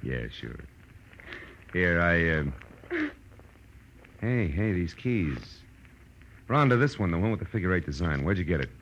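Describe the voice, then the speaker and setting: Hard-boiled detective, low, animated and forceful, slangy and commanding, old-time radio. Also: male voice, unhurried, long pauses, highs cut off, exaggerated voice. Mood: wry. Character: tough, wisecracking hard-boiled male private eye. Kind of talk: 1940s radio detective drama acting.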